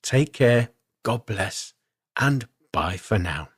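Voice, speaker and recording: A man hosting a spiritual radio show, talking in a measured, reassuring way as he gives guidance and addresses his listeners. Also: on the low side, expressive, breathy edge. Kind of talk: spiritual forecast and show sign-off, semi-improvised talk.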